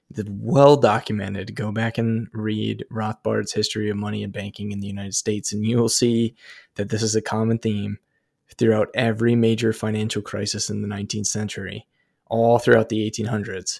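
In a very clean recording with a silent background and dry, close sound with no echo, a man speaks fairly quickly in a flat monotone at a fairly low pitch. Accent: American. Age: 20s. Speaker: podcast guest, commentator. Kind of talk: casual chat.

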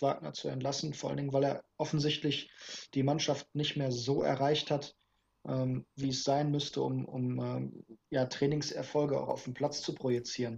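Over a quiet background, a somewhat breathy man talks at a moderate pace and fairly high pitch with monotone, flat intonation. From Germany, Düsseldorf. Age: 20s. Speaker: football fan. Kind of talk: interview.

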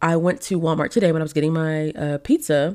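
Recorded very clean against a silent background, a woman speaks in a relaxed tone at a fairly low pitch. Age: 20s. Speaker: solo podcast host. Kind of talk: casual solo monologue, audio-journal style. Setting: home recording. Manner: relaxed, with frequent fillers and laughs.

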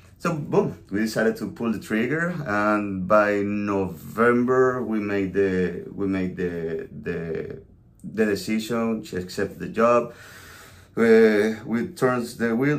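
Speaking with a Venezuelan accent, a man uses lively intonation at a medium pitch. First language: Spanish. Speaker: realtor and podcast co-host. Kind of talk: casual chat.

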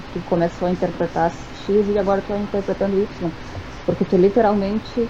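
In a southern Brazilian accent, the speaker talks at a moderate pace with monotone, flat intonation, with noticeable background noise behind. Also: woman. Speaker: RPG player. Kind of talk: casual chat.

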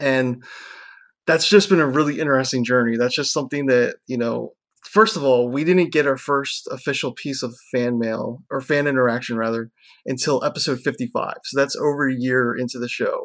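Against a quiet background, a man talks at a moderate pace with a medium pitch. He has an unremarkable speaking voice with ordinary pitch variation. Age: 30s. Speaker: podcaster. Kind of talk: casual chat.

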